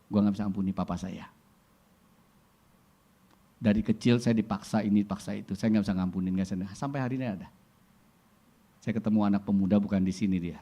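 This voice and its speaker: A male pastor preaching a sermon in a church, lively, acting out short quoted exchanges in casual slang. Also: fairly low pitch, fast talker, pauses often. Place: church hall.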